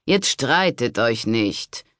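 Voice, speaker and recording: This is a crafty, conspiring monk from a historical audiobook, voiced by a male reader. He talks slowly and smoothly in a gravelly voice. It is recorded close, in a dry space. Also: mid-range voice, wildly swooping pitch, dry recording, heavily acted. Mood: coaxing. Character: sly scheming monk, smooth and persuasive.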